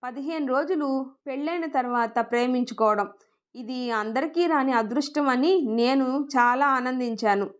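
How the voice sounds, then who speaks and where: A woman narrating a first-person love story in a gentle, expressive way. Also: sits high, normal speed.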